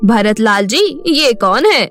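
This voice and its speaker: A woman's voice: a little high, big pitch swings, slow, a bit bright, voice pushed down, exaggerated voice. A woman voicing a middle-aged, demanding mother of a groom, effusive yet pointed, in a storybook tale. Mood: polite, pointed. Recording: music behind the voice.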